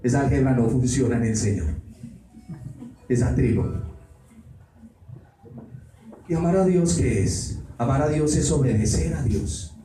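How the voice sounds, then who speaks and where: A man's voice: medium pitch, lively intonation, measured pace, pauses often, dark tone, a little hiss or hum. A man preaching a Bible study sermon in a dramatic way, firing off rhetorical questions. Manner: dramatic, acts out quoted voices, rhetorical questions. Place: church meeting hall. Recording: echoey hall, distant mic, faint ambience.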